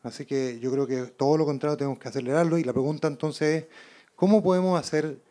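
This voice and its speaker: A middle-aged man speaking spontaneously from the audience at a public talk, halting and repeating words as he builds his question. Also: fairly high pitch, fairly even intonation, mellow. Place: auditorium. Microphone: handheld microphone.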